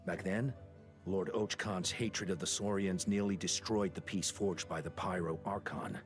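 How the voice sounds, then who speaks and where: Low, grave tribal chief. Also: male voice, steady tone, unhurried, soft background music. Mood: grave, concerned. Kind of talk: video game character dialogue.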